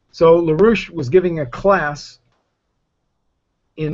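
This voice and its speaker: A man with an American accent and a somewhat breathy tone. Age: 70s. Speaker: historian and political activist. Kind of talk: talk with Q&A at a public meeting.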